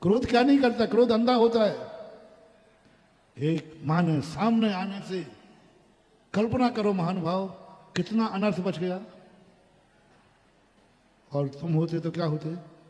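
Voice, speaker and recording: A man preaching a sermon, telling a story and addressing the audience directly in an animated way. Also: high-pitched, measured pace, long pauses, in a large hall. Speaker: Jain preacher.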